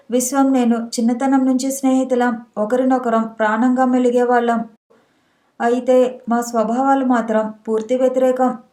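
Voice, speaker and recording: Flat-toned woman narrating an audiobook. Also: fairly high pitch. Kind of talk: scripted first-person story narration. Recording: echoey room.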